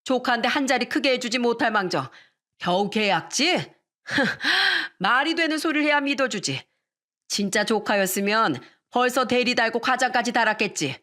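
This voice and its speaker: A woman's voice: lively intonation, moderate pace. A woman voicing a furious, scornful middle-aged mother-in-law-to-be in a dramatized radio story. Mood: mocking. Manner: shrill, contemptuous yelling.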